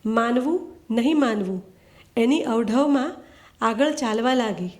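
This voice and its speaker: A woman reading her own short story aloud at a literary event, in a measured, earnest storytelling manner. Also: on the high side, lively intonation, a little mellow.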